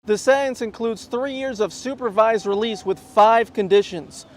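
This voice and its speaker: A man's voice: sits high, moderate pace, a little hiss or hum. A man reporting the news as a television reporter, reading a scripted report.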